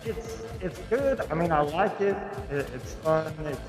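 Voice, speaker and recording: Man, hesitant, halting, very slow talker, echoey long-reverb room, clear music behind. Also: on the high side, animated. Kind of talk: casual chat.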